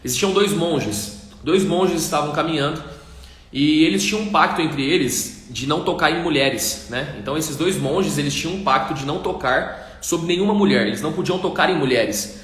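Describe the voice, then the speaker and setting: Pastor guy preaching on a live, repeats himself a lot, kinda high voice, echoey. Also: moderate pace, fairly bright tone. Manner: emphatic, repetitive preaching, addresses viewers directly. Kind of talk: livestream sermon. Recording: echoey room.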